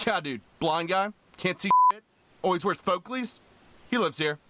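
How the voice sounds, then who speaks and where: A man's voice: high voice, moderate pace, pushed and bright, a little hiss or hum. A man voicing a crude, laid-back young bro who talks in slang in a comedy game cartoon. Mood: blunt. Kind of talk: animated comedy machinima acting.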